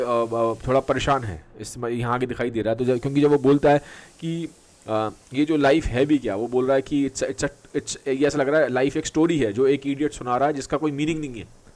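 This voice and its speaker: A man's voice: mid-range voice, a little mellow. A man teaching literature, explaining a play in casual Hindi mixed with English, full of fillers and check-ins. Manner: mixes Hindi with English terms, many fillers and "theek hai" checks; reads quoted verse slowly with halting restarts.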